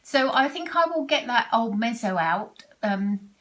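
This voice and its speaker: A woman's voice: a little high, expressive, a little slow. A woman in her sixties from Britain with a British accent, chatting casually to camera about her sewing and rambling through restarts and asides. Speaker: sewing vlogger.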